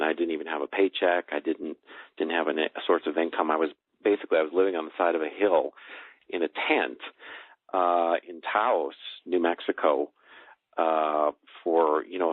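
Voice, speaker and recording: A man in middle age with a low-pitched voice talks as an interview guest. He searches for words and doubles back on phrases to stress them. The sound is a thin telephone connection with no room around it. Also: no room sound. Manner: hesitant, searching for words, repeats phrases for emphasis. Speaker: guest, personal growth coach and author. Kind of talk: conversational interview on a call. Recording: dry, band-limited phone call.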